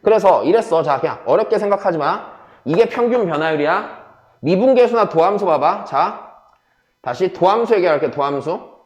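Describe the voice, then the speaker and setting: A man's voice: sits high, animated, moderate pace, roomy sound, highs cut off. A man teaching a math class, switching between casual and polite speech and often checking whether students follow. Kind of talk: classroom lecture.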